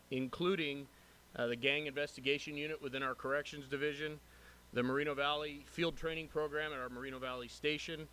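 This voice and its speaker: A man with a bright, forceful voice of ordinary pitch delivers formal remarks as a police captain. He is earnest and measured, and the meeting room recording carries clear background noise. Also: rough recording. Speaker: police captain introducing a new lieutenant. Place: city council chamber.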